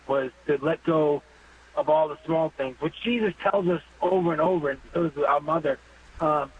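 50s guy calling in, kinda high voice, earnest and halting, dull line with a little hiss. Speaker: caller. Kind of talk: phone-in call to a radio show.

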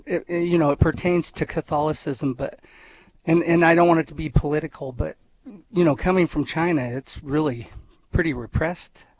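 A man hosting a radio fundraiser, relaxed and friendly, chuckling now and then. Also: on the high side, moderate pace. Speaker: radio host. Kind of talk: casual radio fundraising chat.

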